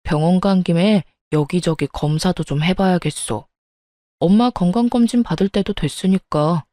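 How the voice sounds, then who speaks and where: A busy husband talks his wife round, read by a woman. The tone is low and mellow, close and dry. He sounds smooth and placating throughout. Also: normal speed, dry recording, lightly acted. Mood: coaxing. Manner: persuasive, placating. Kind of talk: audio story acting.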